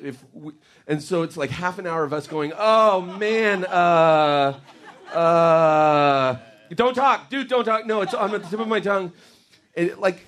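A man doing a live stand-up set on a comedy club stage, telling a story with lots of fillers and acted-out quotes. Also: a little high. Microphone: stage mic.

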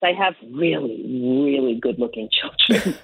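A woman's voice: very deep voice, lively intonation, measured pace, gravelly, fairly bright tone. A woman being interviewed over the phone, chatty and laughing often. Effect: phone line. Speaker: interviewed mother. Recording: tinny phone line.

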